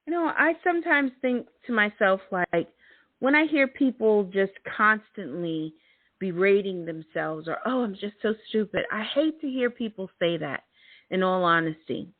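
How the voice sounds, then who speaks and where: A woman's voice: mid-range voice, animated, moderate pace, dry recording. A middle-aged woman hosting a motivational talk, emphatic and repeating her key words. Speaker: host. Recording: thin phone-like sound.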